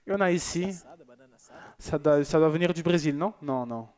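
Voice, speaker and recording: Man host, church TV, slightly high voice, casual and joking, reads out viewers' messages. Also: normal speed, darkish tone. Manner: chatty and joking, with loose asides. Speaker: church TV presenter. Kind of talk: casual broadcast chat reading viewer messages.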